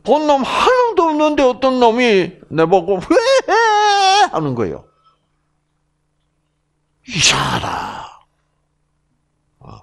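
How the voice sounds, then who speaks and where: A man giving a health lecture, telling a personal story in an animated way and acting out the sounds in it. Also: extremely high pitch, moderate pace, hardly any pauses.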